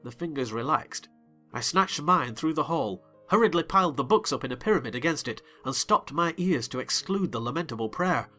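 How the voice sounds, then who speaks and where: A man narrating a dramatized audiobook in a bright, forceful voice that sits slightly high. He reads theatrically and swells into excited outbursts in the dialogue, with faint music underneath. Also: a little fast.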